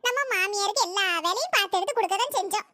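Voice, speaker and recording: A woman's voice: extremely high pitch, racing, very noisy. A woman voicing a scheming neighbor who spreads gossip, in a cartoon comedy. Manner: breathless storytelling gossip.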